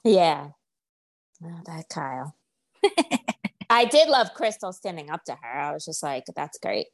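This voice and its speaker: A woman's voice: low voice, big pitch swings, a little slow. A woman co-hosting a podcast, easygoing and agreeable, with hesitant fillers. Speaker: podcast co-host. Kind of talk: casual chat.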